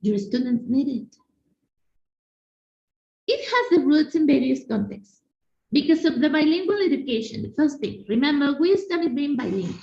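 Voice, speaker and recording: Mexican lady teacher on a video call, gravelly, dull lo-fi sound. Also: high voice, moderate pace, long pauses. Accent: Mexican Spanish. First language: Spanish. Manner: animated, repetitive, addresses audience directly. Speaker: teacher giving a conference talk. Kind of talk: online conference talk. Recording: echoey room, dull lo-fi sound.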